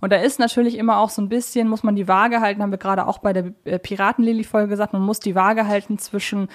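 A woman's voice: mid-range voice, level tone, fast. A woman co-hosting a casual, analytical podcast, who often searches for her words and corrects herself as she talks. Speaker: podcast co-host.

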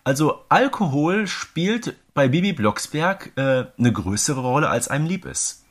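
A man's voice: fairly high pitch, sing-song, measured pace. A man co-hosting a podcast in casual, enthusiastic chat, telling things emphatically with plenty of rhetorical questions. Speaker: podcast co-host.

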